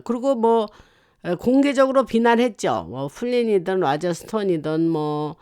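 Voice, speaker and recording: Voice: mid-range voice, darkish tone, clean tone. A channel host from Korea giving a casual news commentary monologue, rambling and hesitating often with fillers.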